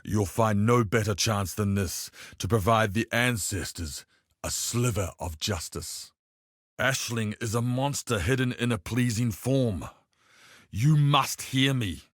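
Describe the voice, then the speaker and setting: A man playing a proud, honor-bound tribal warrior in a video game, speaking in a solemn, formal, measured way. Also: lowish voice, no echo, studio quality. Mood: grave, resolute. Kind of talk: video game character acting.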